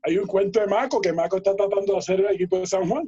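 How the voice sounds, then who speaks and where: A man, a guest telling lively baseball anecdotes in a casual interview, laughing and acting out quoted dialogue. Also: high voice, quick pace, husky. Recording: dull lo-fi audio.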